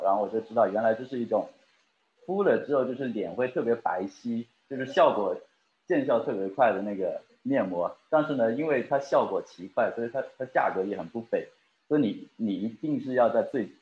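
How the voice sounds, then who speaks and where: A man preaching a sermon and talking straight to his congregation, asking them questions and drawing them in. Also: medium pitch. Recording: roomy, dull lo-fi recording.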